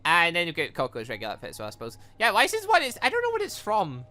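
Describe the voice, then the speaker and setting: A man's voice: high-pitched, huge pitch swings, fast talker, sharp tone. A man doing casual let's-play commentary on a visual novel, rambling and correcting himself as he reads and reacts. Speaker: gaming video host playing a visual novel. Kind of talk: casual let's-play commentary, reading game dialogue aloud.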